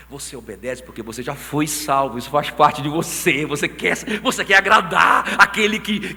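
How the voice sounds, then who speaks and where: A Brazilian man in his thirties preaching a sermon as pastor, telling stories with swings from quiet talk to shouting. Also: on the high side. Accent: Brazilian Portuguese. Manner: animated storytelling, swings from soft to shouting. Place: church hall. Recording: long church hall reverb.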